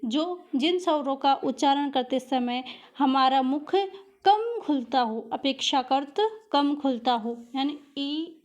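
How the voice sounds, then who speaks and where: A woman teacher giving a grammar lesson for exam students, patiently repeating each question and then answering it herself. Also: high voice. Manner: patient, drills vowel sounds aloud.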